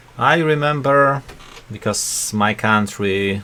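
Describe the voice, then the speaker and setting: A man with a Polish accent talks with ordinary pitch variation over noticeable background noise. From Poland. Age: 40s. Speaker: podcast host. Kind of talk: interview. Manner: halting.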